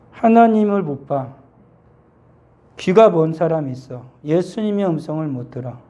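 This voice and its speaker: A man's voice: fairly high pitch, warm tone, muffled recording. A middle-aged man pastor giving a children's sermon, telling a Bible story and asking the children questions.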